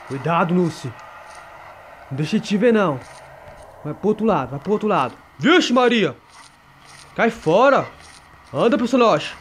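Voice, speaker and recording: Excitable man narrating a horror game. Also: sits high, moderate pace, long pauses, slight background noise. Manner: excitable, yelps at jump scares, talks to viewers and a friend. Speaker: gamer playing a horror game. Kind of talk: casual gameplay commentary.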